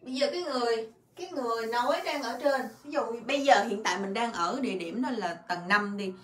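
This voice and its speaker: A woman teaching a Korean grammar lesson in a casual way, explaining in Vietnamese and repeating Korean words and example sentences in quick bursts. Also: a little high, a bit bright, echoey room. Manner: refers to herself by her own name and as teacher.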